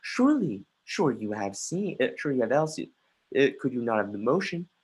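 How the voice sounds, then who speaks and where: A husky, mid-pitched voice plays an anguished young prince in an actor's stage reading. The delivery is declamatory Shakespearean verse, accusing and scornful. It moves between muttering and outbursts, with the odd stumble over a line. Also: very animated, normal speed, a little mellow. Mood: bitter, reproachful. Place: remote livestream from home.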